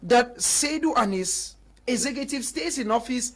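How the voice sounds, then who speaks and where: A woman's voice: on the high side, lively intonation, moderate pace, slight background noise. A woman, a panel guest making indignant, emphatic points in a heated debate.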